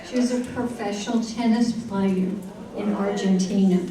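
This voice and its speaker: A woman's voice: mid-range voice, fairly even intonation, normal speed, mellow. A woman introducing a guest speaker and giving announcements to an audience, upbeat and chatty, speaking straight to the room. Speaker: event organizer introducing the speaker. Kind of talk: welcoming announcements. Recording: echoey room, distant mic, faint noise.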